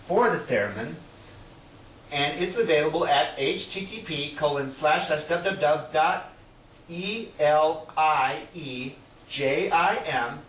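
A man's voice: a little high, fairly bright tone. A middle-aged man presenting to camera in a playful, showman-like way, demonstrating as he explains. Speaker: science presenter. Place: small indoor room with projector screen. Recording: roomy, distant camera mic, noisy.

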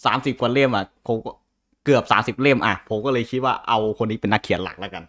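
A man's voice: on the low side, fast talker, fairly bright tone. A man explaining things in casual chat as a co-host, hesitant and often repeating his words.

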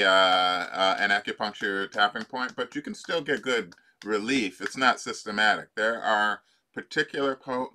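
An older man coaching someone through a tapping routine on a video call. His voice is bright and forward, and he jokes and laughs often, stopping to search for words with lots of fillers. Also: low-pitched, clean tone. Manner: playful, laughing, halting with many fillers. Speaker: life coach. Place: home room.

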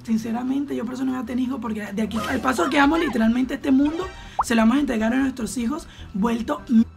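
A woman's voice: high voice, fast talker. A young Colombian woman with a Colombian accent, giving outspoken, gossipy reaction commentary and swearing freely. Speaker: reaction vlogger. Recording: clear background music. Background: music playing.

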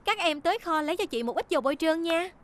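A woman's voice: very high voice, animated, quick pace, a little hiss or hum. A woman playing a friendly, caring young mechanic in a children's cartoon. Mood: helpful. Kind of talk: animated children's cartoon dubbing.

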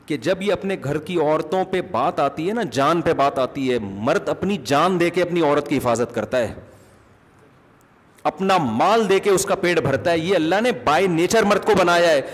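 A male religious scholar giving a conversational sermon that rises into emphatic bursts. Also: a little high. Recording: long hall reverb.

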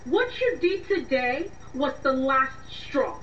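A woman's voice: high voice, lively intonation, slow pace, lo-fi sound, slight background noise. A fed-up young girlfriend in a radio drama. She is emotional and reproachful. The sound is echoey and distant from the mic. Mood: angry, fed up. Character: exasperated, weary young woman fed up with her boyfriend.

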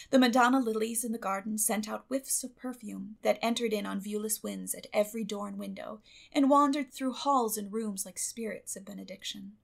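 A woman's voice: medium pitch, gravelly. A woman reading a classic novel as an audiobook narrator, in scripted literary storytelling style.

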